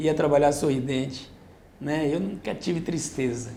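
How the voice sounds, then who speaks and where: Audible room echo surrounds a man whose dark, mellow tone sits at a fairly high pitch, his intonation fairly even. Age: 60s. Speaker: business founder. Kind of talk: interview.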